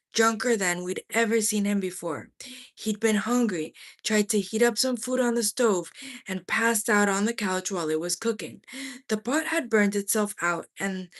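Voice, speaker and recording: A woman reading a memoir aloud as expressive narration, in deliberate phrases with dramatic pauses. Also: medium pitch. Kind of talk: expressive audiobook-style narration.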